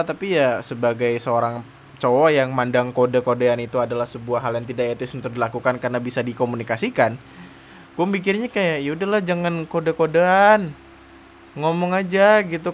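A young man giving blunt dating advice in a casual monologue, animated and slangy, acting out mocking quotes. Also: on the high side, a little fast, a little hiss or hum.

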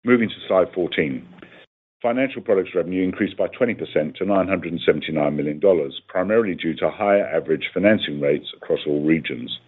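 Over a narrow, phone-like conference line, a man with a very low, husky voice reads a scripted earnings call presentation. Like a company executive, he delivers the figures formally, evenly, and at a measured pace.

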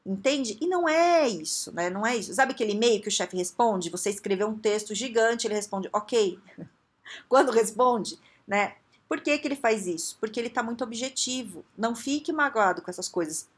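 A woman with a Brazilian accent, a coach giving casual advice in an animated way, laughing often and acting out quotes. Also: medium pitch, slightly rough. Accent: Brazilian Portuguese.

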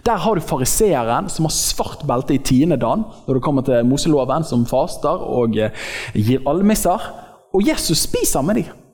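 A man preaching an informal sermon in a church hall, joking and slangy, acting out quotes from other people. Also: fairly high pitch. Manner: lively, joking, acts out quotes in slangy speech. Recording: long hall reverb.

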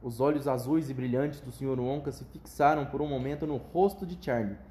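Mellow-voiced man reading a story aloud. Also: mid-range voice, brisk, roomy sound, a little hiss or hum. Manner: patient, conversational asides. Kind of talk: reading a children's book aloud.

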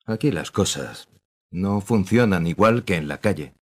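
An actor playing an old music master in prison, speaking in curt, weary replies with a husky voice. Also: male voice, low voice, expressive, measured pace. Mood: resigned. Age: older. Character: old imprisoned music master, disgraced and resigned.

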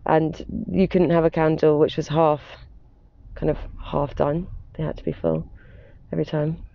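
A man's voice: on the high side, little pitch movement, moderate pace, vocal fry, no echo, highs cut off. A British man chatting casually as an interview guest, telling anecdotes in a gushing, emphatic way. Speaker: interview guest, former personal assistant to wealthy clients.

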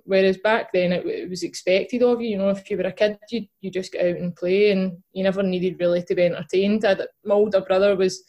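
A woman's voice: medium pitch, fairly even intonation, brisk, hardly any pauses, warm tone. A young woman with a Glaswegian accent, a guest chatting casually in an interview, with lots of fillers and restarts. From Scotland. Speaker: guest, footballer and podcast co-host.

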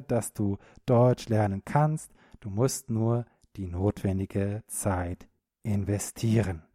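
A man hosting a podcast lesson for German learners, speaking slowly and clearly in an encouraging tone, often checking in with a quick question. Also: medium pitch, mellow, no echo, clean studio sound. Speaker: podcast host and German teacher.

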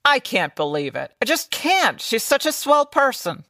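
Brash, animated 1950s radio dame. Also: female voice, sits high, moderate pace, no echo, clean studio sound, heavily acted. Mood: defensive. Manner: brash, period slang. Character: brash, haughty, bigoted 1950s noir dame. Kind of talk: old-time radio acting, comedic.

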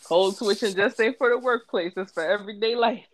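A woman's voice: mid-range voice, brisk, slight background noise, low-quality recording. A woman with an African American accent in casual, playful podcast banter, full of slang. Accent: African American English. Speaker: podcast co-host; bartender.

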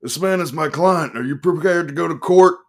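A man reading a story aloud, voicing a frantic, paranoid male lawyer who croaks and shouts hysterically in a much higher, louder voice. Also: normal speed. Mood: indignant.

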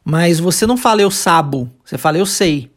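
Brazilian Portuguese-accented English teacher, patient and clear, breaks down pronunciation and repeats lines slowly for learners. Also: medium pitch, animated. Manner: patient, explains step by step and repeats phrases slowly. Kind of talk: podcast language lesson.

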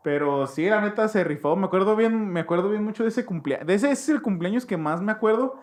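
A man's voice: high voice, expressive, brisk. A young man with a Mexican accent tells a childhood story in casual, slangy chat, jumping into voices to mimic people.

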